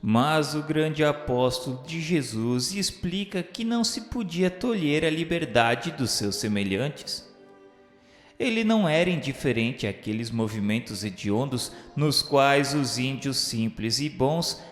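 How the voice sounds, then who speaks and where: A Brazilian man reading a scripted dramatic radio narration in a solemn, formal, measured manner. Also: medium pitch, lively intonation. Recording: echoey hall-like reverb. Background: music.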